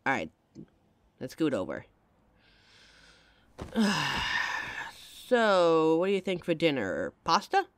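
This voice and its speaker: A woman's voice: low-pitched, wildly swooping pitch, slow pace, pauses often, exaggerated voice. A woman playing a caring young adult girlfriend in an audio roleplay, talking intimately and emotionally straight to the listener on a close mic. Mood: tender, reassuring.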